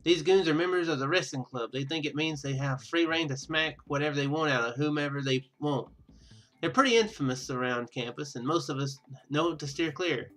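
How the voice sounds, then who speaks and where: A man with a bright, forward voice, pitched a little high, plays through a video game. He reads the on-screen text aloud and rambles casually as he thinks out loud. Music plays behind him. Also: brisk, poor audio. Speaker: gaming video host. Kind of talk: casual let's play commentary, reading game text aloud.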